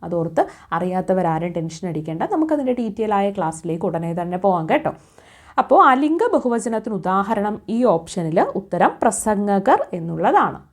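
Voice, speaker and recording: A woman's voice: medium pitch, big pitch swings, moderate pace. A woman teaching an exam quiz lesson, reading out each question and its options, then repeating the answer with rhetorical questions. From Kerala.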